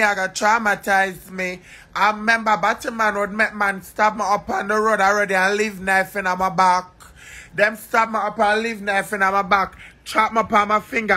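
High, sharp-voiced man ranting. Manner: rambling, repeats phrases over and over. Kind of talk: emotional vlog rant.

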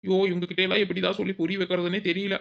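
A woman's voice: fairly low pitch, flat delivery, racing, creaky, muffled recording, slight background noise. A woman voicing a flustered young village woman in a cartoon, who wails and repeats herself frantically. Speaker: cartoon character.

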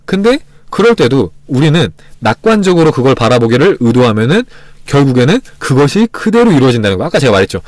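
A man hosting a self-help livestream, chatting casually and acting out little scenes with sudden loud exclamations. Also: mid-range voice, very animated, fast talker, no room sound. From Korea.

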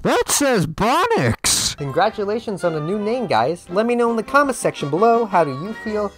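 A man's voice: sits high, very animated, normal speed, a bit bright. A man in his twenties giving rambling, theatrical comedic commentary as a YouTube host, often interrupting himself, speaking into a close handheld microphone. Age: 20s. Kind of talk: comedic fandom commentary to camera. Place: small bare-walled room indoors. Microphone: handheld microphone close to the mouth. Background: background music.

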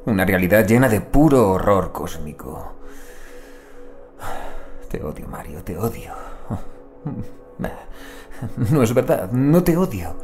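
An actor playing an anguished, loyal investigator who dreads cosmic horror, in a theatrical, brooding audio drama monologue that swings between outburst and muttering. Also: male voice, fairly low pitch, very animated, unhurried, pauses often, darkish tone, soft background music. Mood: resigned, devoted.

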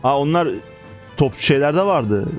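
A young man giving casual, excitable gameplay commentary, chanting quick commands at his units and joking about how the battle goes. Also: a little high, highs cut off, soft background music. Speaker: gaming YouTuber.

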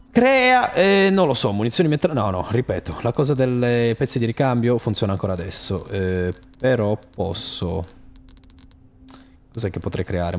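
A young man plays through an action game and talks to it the whole way, his pitch swinging widely as he yells at enemies and drops to low muttering while he searches. He swears freely and his tone stays casual. Game music plays clearly underneath. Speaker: gaming channel host. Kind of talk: casual gameplay commentary.

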